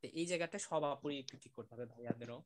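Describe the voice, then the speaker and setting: A man teaching an online class, gently praising students and repeating sounds to demonstrate them. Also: mid-range voice, racing.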